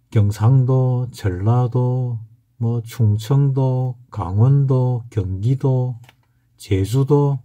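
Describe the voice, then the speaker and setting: A man's voice: medium pitch, dark tone, slightly rough. A middle-aged man giving a casual, anecdotal spoken lecture on fortune-telling, chatting as he drifts into side stories.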